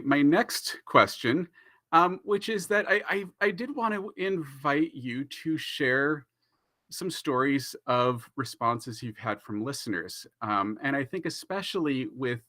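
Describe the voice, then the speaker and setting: Male moderator, mid-pitched and crisp-edged bright, thoughtful and halting, conversational, very dry sound. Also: no room sound. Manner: halting, reflective phrasing. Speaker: panel moderator.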